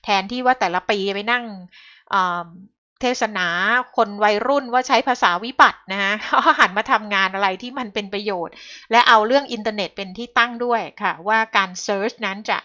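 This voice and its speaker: Bright-voiced woman commentator, lo-fi sound. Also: on the high side, moderate pace. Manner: polite particles, grows heated and emphatic. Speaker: political commentator. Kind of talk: talk show commentary.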